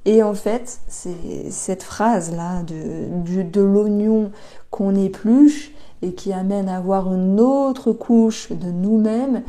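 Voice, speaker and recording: A woman giving an intuitive tarot reading for a star sign, talking slowly and reflectively with many pauses and hesitations. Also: mid-range voice, dark tone. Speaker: tarot reader.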